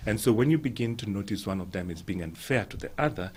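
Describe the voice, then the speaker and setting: A man on a talk show, explaining his views in a measured way with many "you know" fillers. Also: lowish voice, animated, darkish tone, slight background noise. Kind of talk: reflective discussion on a talk show.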